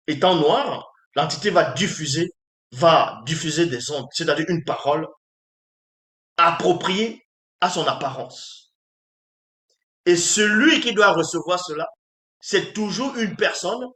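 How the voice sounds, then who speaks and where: A man's voice: fairly high pitch, expressive, a little slow, long pauses, a bit bright. A man preaching a monologue in an emphatic, repetitive way, often firing rhetorical questions at his listeners. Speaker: spiritual teacher. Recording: roomy echo.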